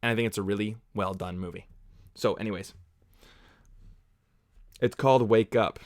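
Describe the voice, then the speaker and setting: A man's voice: lowish voice, steady tone, normal speed, dry recording, studio quality. A man from Canada hosting a casual movie watch-along livestream, chatting and rambling off on tangents while answering viewers.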